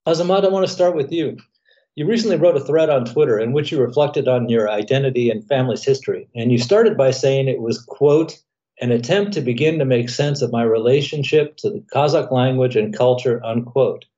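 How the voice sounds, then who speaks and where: A man hosting a current affairs podcast, reading a formal, measured introduction of his guests. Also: mid-range voice, mellow, muffled recording. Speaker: podcast host. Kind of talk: scripted show introduction.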